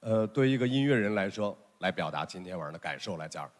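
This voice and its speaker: A middle-aged man hosting an award ceremony on stage with a handheld mic, talking in a lively, teasing way. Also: deep voice, fast. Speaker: event emcee. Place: large indoor event stage. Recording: long hall reverb, faint music.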